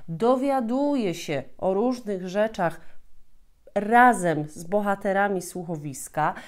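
A woman, giving an expressive explanatory talk and repeating phrases for emphasis. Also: medium pitch. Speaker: host of a video channel for teachers of Polish. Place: small furnished room at home, indoors.

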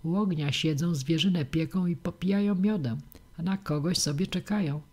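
A frightened old witch woman, as a female reader puts her on, evasive and secretive, dropping to whispers and then rising shrilly. It is a storybook voice, hushed and wary. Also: lowish voice, normal speed, slightly rough.

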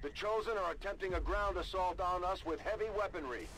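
Game PA alert: urgent ship announcer, high-pitched, echoey loudspeaker with music under it. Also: male voice, fairly quick. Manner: clipped, urgent alert delivery. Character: urgent male shipboard alarm announcer. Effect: ship's alarm loudspeaker announcement. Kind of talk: video game voice acting.

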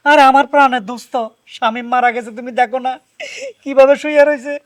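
An actor playing a simple-minded village husband who wails loudly over his dead friend. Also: very high-pitched, steady tone, fast, no echo. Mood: pleading. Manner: loud lamenting wails. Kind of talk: village comedy drama acting.

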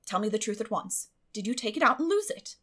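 A woman's voice: mid-range voice, sing-song, fast talker. Woman playing a stern, strict farm woman. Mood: firm, accusing. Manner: sharp, grim, clipped scolding.

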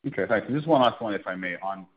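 A man's voice: on the low side, lively intonation, fast. A man asking questions as a financial analyst on an earnings call, heard over a narrow phone line.

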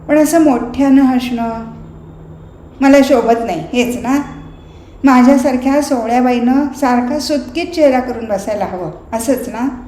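A woman's voice: high voice, mellow. A woman voicing a spirited young widowed daughter in a read-aloud novel, speaking passionately and defiantly. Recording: roomy recording, faint noise.

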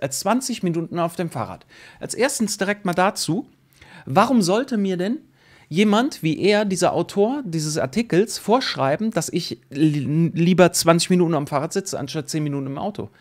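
Animated, indignant man in his late thirties. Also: a little high. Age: late 30s. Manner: indignant, rhetorical questioning, emphatic. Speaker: YouTube host and commentator. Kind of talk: opinionated reaction commentary, reading an article aloud. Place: small home studio room, indoors. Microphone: close microphone on a boom arm.

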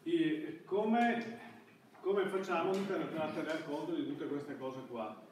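A middle-aged man gives a classroom lecture in a fairly high voice. He speaks haltingly, restarting phrases as he looks for the word. The sound is very reverberant and picked up from a distance, with faint noise. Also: darkish tone. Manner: halting, searching for words with repeated false starts. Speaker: university lecturer. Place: indoor classroom. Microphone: far camera microphone. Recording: echoey classroom, distant mic, background hiss.

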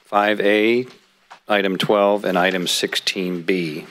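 A man speaking as city manager asks to pull items from the agenda, listing each one slowly and deliberately. His voice is low-pitched and flat, with little rise or fall, and he takes his time over every word. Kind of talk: formal meeting request.

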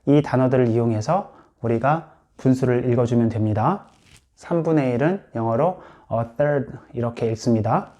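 A man's voice: medium pitch, mellow. A man teaching English in Korean, patiently explaining and repeating each English word for practice. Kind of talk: explanatory lesson.

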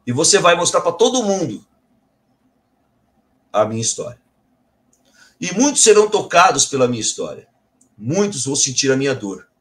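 A stern male spirit guide, curt and commanding, as a storyteller puts him on. He speaks at an ordinary middle pitch, with no softness in his orders. The voice stays close to the storyteller's own. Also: big pitch swings, moderate pace, long pauses. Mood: solemn.

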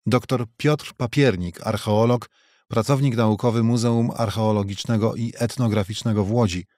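A man narrates a history audiobook with a measured, steady delivery. His voice sits fairly low, and the close studio recording is dry, with no room sound. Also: no room sound. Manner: measured, even reading. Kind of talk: scripted nonfiction narration. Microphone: close studio mic.

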